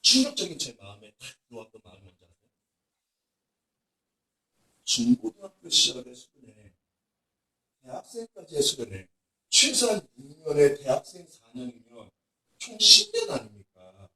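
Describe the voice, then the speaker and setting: 남자 목사가 학생들에게 생생한 이야기를 섞어 가며 부흥회 설교를 하고, 중간중간 힘주어 외치듯 강조합니다. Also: male voice, sits high. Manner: animated storytelling with emphatic outbursts. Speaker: pastor. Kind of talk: revival sermon to students. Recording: echoey hall from far off.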